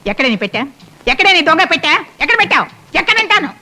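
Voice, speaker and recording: A woman's voice: very high voice, very animated, sharp tone, exaggerated voice. Fiery scolding old grandmother. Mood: furious. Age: older. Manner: scolding, mocking, rapid-fire insults. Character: fiery sharp-tongued old grandmother, bossy and devout. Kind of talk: film comedy acting.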